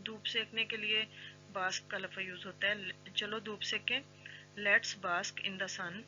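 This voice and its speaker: An English teacher who drills everyday phrases, repeating each one and saying the English lines very slowly and clearly. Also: mid-range voice, little pitch movement, sharp tone. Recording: slightly dull sound with faint background music.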